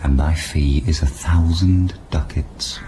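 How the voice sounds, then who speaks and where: A man voicing a deep, brooding villain nobleman. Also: fairly even intonation, slow, warm tone, slight background noise. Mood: cold. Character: scheming villainous nobleman, cold and terse. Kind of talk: Shakespearean stage play reading.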